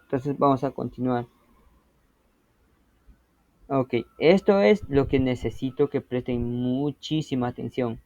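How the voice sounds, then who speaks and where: Bright-voiced male teacher. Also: mid-range voice, unhurried, pauses often, dry recording, highs cut off. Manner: patient, explanatory, checks understanding often. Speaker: Ashaninka language teacher. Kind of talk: interactive online lesson.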